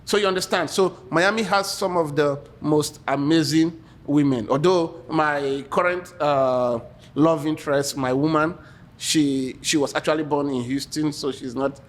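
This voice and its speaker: A man's voice: fairly high pitch, unhurried. A man with a Nigerian accent, a podcast guest telling stories in casual chat, laughing often and repeating words as he starts.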